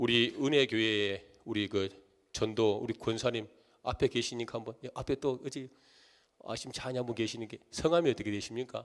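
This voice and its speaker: In a very clean recording with a silent background, a man at medium pitch speaks with an animated tone, ordinary pitch variation and a moderate pace. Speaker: church deacon, evangelism speaker. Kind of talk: church lecture on evangelism. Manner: animated, humorous.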